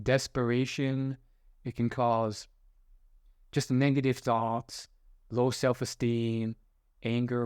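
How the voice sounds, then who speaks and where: A man's voice: mid-range voice, no room sound, clean studio sound. A young man hosting a self-help video, talking through his advice in a rambling, casual way with many fillers and restarts. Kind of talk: casual motivational monologue.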